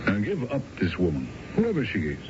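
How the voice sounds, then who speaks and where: Middle-aged American confidant, blunt, disapproving, fairly low voice, radio play, muffled recording. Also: male voice, wildly swooping pitch, brisk. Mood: stern, exasperated. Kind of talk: 1970s radio drama acting. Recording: dull, noisy old radio recording.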